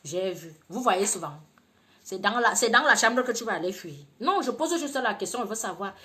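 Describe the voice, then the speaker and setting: A woman's voice: medium pitch, normal speed. A woman from Cameroon gives casual advice to women, telling stories with teasing asides and acting out the people in them. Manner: animated storytelling, teasing asides, acts out quoted people. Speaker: video blogger giving advice to women.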